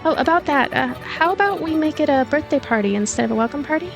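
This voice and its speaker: A woman's voice: high-pitched, expressive, fast talker, vocal fry, pitched above the performer's own voice. A woman voicing a breezy, chatty girl in a visual novel game. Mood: breezy, festive. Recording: music behind the voice.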